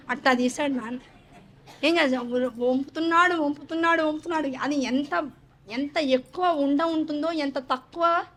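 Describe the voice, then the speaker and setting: A woman giving a religious discourse on scripture, telling stories in a lively, conversational way. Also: high-pitched. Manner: animated, conversational storytelling with asides. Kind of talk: Hindu scripture discourse with storytelling.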